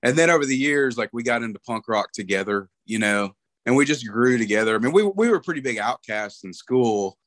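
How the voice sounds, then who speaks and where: A man's voice: medium pitch, animated, a little fast, fairly bright tone, no room sound. A man talking casually about an old friend, rambling with many fillers. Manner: rambling, lots of "you know". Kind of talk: casual conversation.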